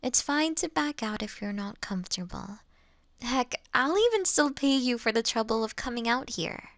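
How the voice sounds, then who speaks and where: A woman playing a polite, reassuring vampire who looks like a child, speaking gently to the listener in an audio roleplay. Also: on the high side, expressive, normal speed, no room sound, clean studio sound. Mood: concerned, gentle. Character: childlike-looking ancient female vampire, polite, reassuring, mildly wry.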